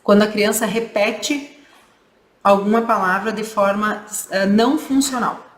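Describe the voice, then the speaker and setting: A woman clinician delivers a training lecture at an unhurried pace, her voice medium-pitched with fairly even intonation. She explains points and checks in with tag questions, in an echoey room with faint ambience.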